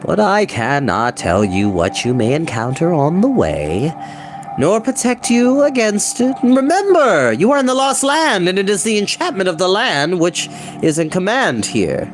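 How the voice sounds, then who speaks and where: A man's voice: sits high, huge pitch swings, background noise. Man reading as solemn Guion, guide to a lost kingdom. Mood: urgent, foreboding. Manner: solemn, measured, portentous. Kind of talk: fantasy storybook reading.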